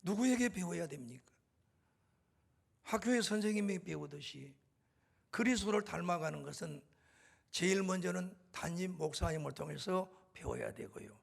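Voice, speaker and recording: An older man preaching a sermon in a church, telling stories and rising to loud, emphatic climaxes. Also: high-pitched, expressive, moderate pace, creaky, pauses often. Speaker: guest preacher, university president. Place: church sanctuary.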